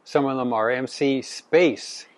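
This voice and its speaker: A man's voice: mid-range voice, slow, no room sound. A Canadian man co-presenting a genealogy talk, who talks conversationally and recounts his own record searches. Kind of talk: informal presentation to a local society.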